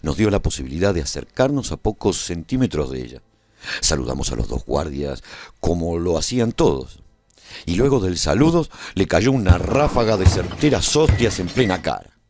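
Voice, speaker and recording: A man's voice: deep voice, sing-song, moderate pace, a little mellow, dry recording, exaggerated voice. A man playing a battle-seasoned adventurer, narrating his story in a scripted, dramatic first-person radio serial style. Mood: dramatic, solemn.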